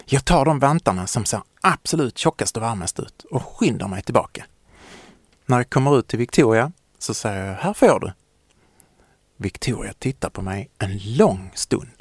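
A man narrating a children's story in a gentle, lively way. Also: mid-range voice, slightly rough, no echo, clean studio sound.

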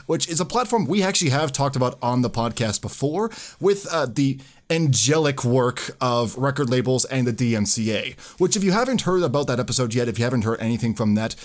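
A man hosting a casual podcast, chatty and talkative, with filler words and restarts. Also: medium pitch. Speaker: podcast host.

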